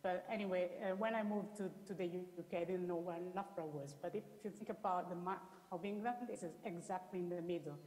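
Low-pitched Italian-accented woman in echoey hall. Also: fast, hardly any pauses, darkish tone. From Italy. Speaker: academic researcher, presenter. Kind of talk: spoken presentation with slides. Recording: echoey hall with long reverb.

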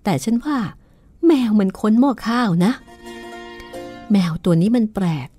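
A hoarse woman voicing a fussy, easily frightened old housekeeper in a horror novel read-aloud. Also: medium pitch, lively intonation, measured pace, warm tone, faint music behind, voice pushed up, natural voice. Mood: suspicious. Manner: shrieking for help in panic. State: hoarse from a cold.

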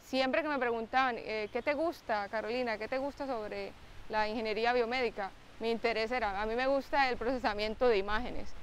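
Woman explaining, slightly high voice. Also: a little fast, slight background noise. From Colombia. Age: young adult. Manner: clear, explanatory, fillers "eh". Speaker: biomedical engineer. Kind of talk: to-camera interview. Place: outdoors by a lake with trees. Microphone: close mic, framed head-on.

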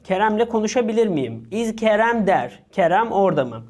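A woman teaching an English lesson for exam prep, reading each English phrase slowly and then explaining it. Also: mid-range voice, big pitch swings, darkish tone. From Turkey.

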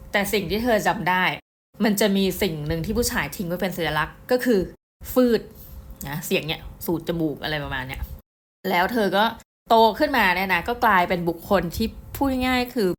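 A middle-aged woman giving a casual book review, chatty and excitable, often speaking straight to her viewers. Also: medium pitch, quick pace, slight background noise. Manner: chatty, addresses viewers directly, excitable storytelling.

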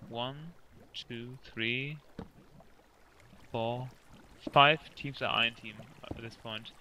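Casual gamer guy, sharp bright tone, playful and jokey. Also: mid-range voice, fairly even intonation, slow, a little hiss or hum. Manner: playful, laughs often, jokey. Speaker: gamer playing in a team. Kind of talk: casual gaming chat.

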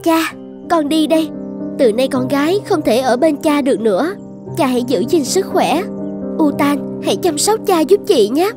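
High-pitched, devout young tribal maiden played by a woman. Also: expressive, moderate pace, over music. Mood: solemn, resolute. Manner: earnest, reverent. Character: devout, self-sacrificing young tribal maiden pleading to a god. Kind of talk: dubbed animated folktale acting.

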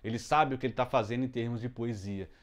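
A man's voice: medium pitch, fast. A man explaining song lyrics step by step in a casual video lesson, with many fillers and restarts, recorded in a room at home. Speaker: music teacher. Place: room at home with the window closed. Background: children heard from outside.

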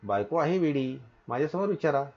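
A man's voice: on the high side, expressive, fairly quick, a little mellow, pitched above the performer's own voice. A man voicing a clever woodcutter in a plainly read story, on a dull lo-fi recording. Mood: scheming.

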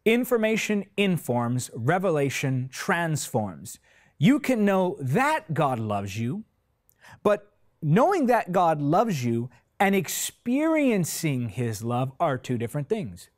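A man's voice: a little high, wildly swooping pitch, takes it slowly. A man in his twenties preaching a sermon in a studio, emphatic and passionate, with repetitive phrasing, on a lapel mic. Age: 20s. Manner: impassioned, emphatic, with repetitive phrasing and big hand gestures. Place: TV studio set, indoors.

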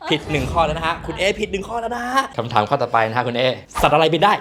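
A man's voice: fairly high pitch, sing-song, very fast, a bit bright, slight background noise. A man hosting a joke quiz game in a casual, teasing way, laughing often between questions. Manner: jokey, laughs often, polite ending particles.

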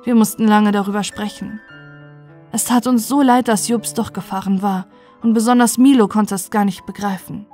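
A woman storyteller narrating a bedtime story in a calm, gentle way. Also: medium pitch, moderate pace, soft background music.

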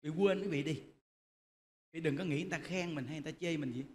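A Buddhist monk giving a lively sermon, talking directly to his listeners. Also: a little high, quick pace. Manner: lively, animated storytelling, addresses the audience directly. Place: temple hall. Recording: echoey hall with faint noise.

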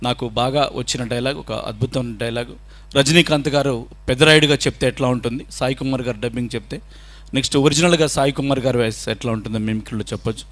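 A man's voice: medium pitch, quick pace, a bit bright. A man from Khammam in Telangana, a mimicry artist, chatting politely with the audience between his impressions. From Khammam district, Telangana. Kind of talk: stage patter introducing impressions.

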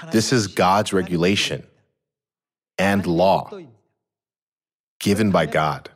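Deep voiced guy preaching at a church pulpit, slow and measured, answers his own questions. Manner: measured, asks rhetorical questions and answers them. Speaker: pastor. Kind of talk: sermon. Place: large church hall, at a pulpit. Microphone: podium microphones.

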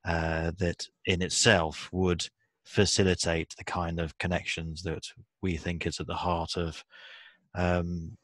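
A man on a video call calmly paraphrasing and reflecting back what another speaker said. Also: low-pitched, takes it slowly, no echo. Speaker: listener reflecting back in an empathy circle. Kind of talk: casual video call discussion.

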